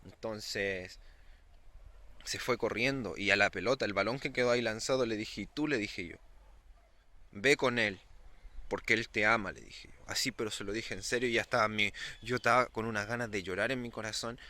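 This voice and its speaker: A man's voice: fairly low pitch, a little fast, bright, forceful tone. A man giving an earnest personal testimony about a dream, repeating phrases and quoting his own words. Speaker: speaker recounting a dream.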